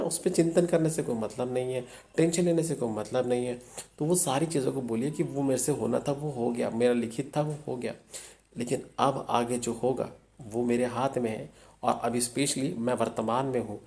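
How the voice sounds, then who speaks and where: A man with a gravelly, creaky voice gives a meditation lesson. He explains each step calmly and often stops to check that the listener is following. His voice sits at an ordinary middle pitch. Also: normal speed. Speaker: spiritual meditation teacher. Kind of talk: instructional talk on meditation.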